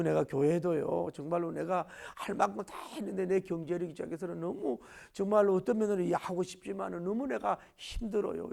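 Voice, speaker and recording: Gravelly high-pitched pastor preaching. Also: male voice, darkish tone. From Gyeongsang region, Korea. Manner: emphatic, peppers talk with rhetorical questions. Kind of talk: sermon.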